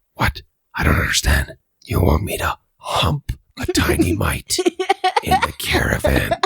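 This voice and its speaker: The delivery is fairly slow. It is done in a put-on character voice. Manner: quiet.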